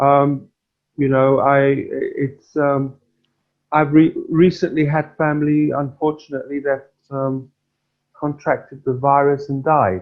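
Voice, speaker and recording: Fairly high-pitched and flat in intonation, a man speaks at a fairly slow pace with long, frequent pauses. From England (South African-born, moved at six). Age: 60s. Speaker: psychotherapist. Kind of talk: interview. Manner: halting.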